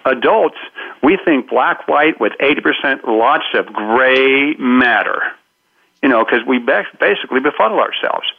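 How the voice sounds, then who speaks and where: A man's voice: medium pitch, animated, measured pace, creaky. A man in his fifties, a guest on a radio interview, telling stories animatedly and acting out the voices he quotes. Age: 50s. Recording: phone-like radio line.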